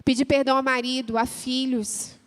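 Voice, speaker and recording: A woman pastor with a Brazilian Portuguese accent preaches in a high, bright voice that carries. She tells her story with vivid back-and-forth dialogue and swells into loud, fervent prayer. The sound rings with the long reverb of a church hall. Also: flat delivery, normal speed. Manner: storytelling, acting out both sides of a marital argument. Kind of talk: sermon.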